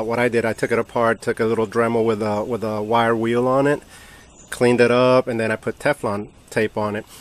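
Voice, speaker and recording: A man casually comparing two tools on a workbench, relaxed and halting, with many ums and uhs. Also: mid-range voice. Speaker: hobby channel host reviewing tools. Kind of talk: casual hands-on product comparison.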